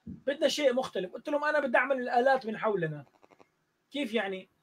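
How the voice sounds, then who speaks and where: A man's voice: very high-pitched, racing. A man with a Jordanian accent, a music teacher telling a story in a casual online interview and acting out the dialogue. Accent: Jordanian Arabic. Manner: animated, acts out dialogue in the story.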